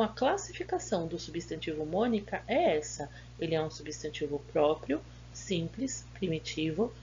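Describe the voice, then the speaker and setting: A Brazilian school teacher with a Brazilian Portuguese accent gives a remote grammar lesson, her voice lowish and darkish in tone. She patiently asks questions and then answers them herself. The audio is dull and lo-fi, with a faint hum.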